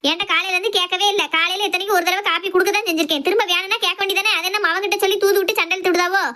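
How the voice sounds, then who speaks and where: A woman playing a sharp-tongued middle-aged housewife and strict mother, talking sarcastically. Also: very high-pitched, steady tone, rapid-fire. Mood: scolding. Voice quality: scolding, sarcastic. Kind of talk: comic family skit.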